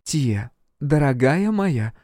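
A male reader voicing a shrewd older dowager duchess, gracious and gently commanding. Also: mid-range voice, sing-song, takes it slowly, no echo, clean studio sound, pitched above the performer's own voice. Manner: warm, grand, gently commanding.

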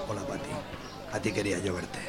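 A man's voice: low-pitched, level tone, a little fast, lightly acted. A man playing an awkward, self-important, stammering suitor in a radio soap comedy. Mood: flustered, lovestruck.

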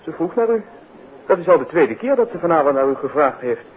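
A man's voice: a little high, very animated, a little fast. An actor playing a helpful, deferential and polite serviceman in a 1950s radio drama. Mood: obliging. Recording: narrow 1950s radio recording.

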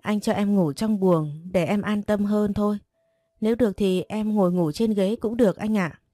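A woman's voice: mid-range voice, moderate pace, warm tone, no room sound, studio quality, close to an everyday voice. A woman voicing a spoiled, whiny young woman guest who pleads and sneers, in a storybook. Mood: pleading.

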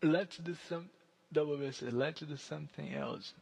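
Halting man, gravelly. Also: on the high side, steady tone, a little mellow. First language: Portuguese. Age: 30s. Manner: halting, searching for English words. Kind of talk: casual chat with online stranger.

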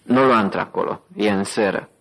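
A man's voice: lowish voice, creaky, fairly bright tone. A man reading as an insolent gum-chewing guard. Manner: insolent, drawling. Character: mocking gum-chewing armed male guard.

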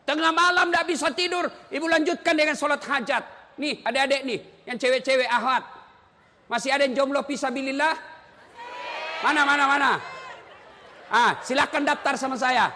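A man preaching a humorous sermon to women, animated, joking and acting out wives' voices. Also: very high-pitched, a little hiss or hum. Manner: animated, mimics wives, jokes. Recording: reverberant hall sound.

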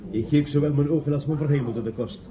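An actor playing an unctuous, hedging broadcasting official in a radio play. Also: male voice, fairly high pitch, fast, natural voice. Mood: flattering. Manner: unctuous, hedging, tags sentences with questions. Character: evasive, flattering broadcasting official, courteous and noncommittal. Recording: muffled radio play, chattering party crowd.

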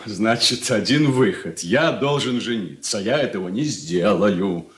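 An actor playing a proud, bitter young merchant son in a radio drama, speaking in a clipped, indignant way. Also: male voice, on the low side, unhurried. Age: young adult. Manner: clipped, indignant, lively delivery. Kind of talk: 1980s studio radio drama acting. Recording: roomy studio echo.

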